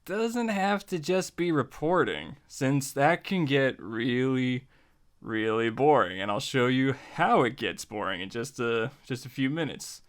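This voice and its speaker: A man's voice: mid-range voice, lively intonation, a little slow. An American man giving a casual tutorial, speaking in a jokey, conversational way straight to the listener. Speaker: host of a writing tutorial series.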